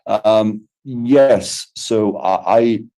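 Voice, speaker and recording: A man's voice: lowish voice, extremely slow, warm tone. A man from Brazil with a Brazilian Portuguese accent, answering questions after an online lecture, hesitant with many fillers and restarts. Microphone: video call.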